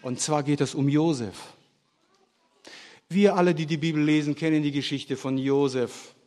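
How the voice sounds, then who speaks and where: A man preaching a sermon, telling stories in an animated way and asking rhetorical questions. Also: a little high, normal speed.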